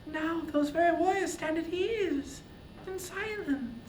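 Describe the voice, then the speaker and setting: A man voicing a goddess disguised as a young woman, hushed and coaxing in a breathy falsetto, in a dramatic epic reading. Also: slow pace, soft background music. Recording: roomy echo, distant mic, faint noise.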